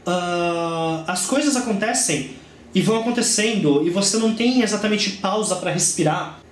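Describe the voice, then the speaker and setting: A man's voice: high-pitched, moderate pace, roomy sound, a little hiss or hum. A young man in his twenties with a Brazilian Portuguese accent, chatting enthusiastically through a casual book review. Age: 20s.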